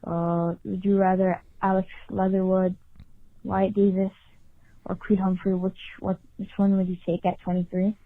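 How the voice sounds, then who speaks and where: Flat-toned woman on a phone line. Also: medium pitch, moderate pace, no room sound. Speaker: caller leaving a voicemail. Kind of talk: casual fan question. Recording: dry, narrow phone line.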